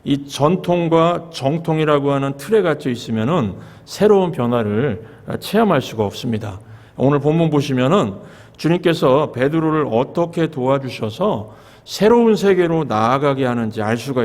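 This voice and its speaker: Korean pastor preaching in a reverberant sanctuary. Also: male voice, medium pitch, darkish tone. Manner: measured preaching with rhetorical questions to the congregation. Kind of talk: sermon. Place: church sanctuary. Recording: long reverb of a church sanctuary.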